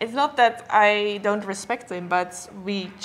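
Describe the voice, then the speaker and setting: A woman with a Dutch accent. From Netherlands. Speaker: vlogger. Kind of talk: casual chat. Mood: relaxed, thoughtful, sometimes amused. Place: home room.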